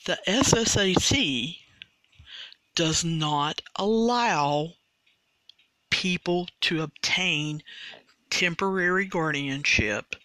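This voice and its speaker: A podcast host, explaining a rule slowly and carefully in a casual monologue. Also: mid-range voice, sharp tone, dry recording, low-quality recording. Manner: slow, deliberate, careful explaining with restarts.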